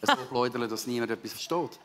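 A man's voice: medium pitch, fairly quick, a bit bright, a little hiss or hum. A middle-aged man with a Swiss accent, chatting casually and jokingly. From Switzerland. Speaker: show panelist. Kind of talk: casual chat.

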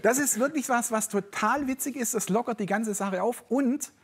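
A man's voice: extremely high pitch, normal speed, a little hiss or hum. A man as a fitness trainer guest, explaining a shoulder exercise step by step with encouragement. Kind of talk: studio demonstration.

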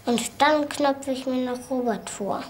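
A woman's voice: sits high, a little slow, a little hiss or hum. A woman playing a feisty young child, eager for a scrap, in scripted film dialogue. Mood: eager, combative.

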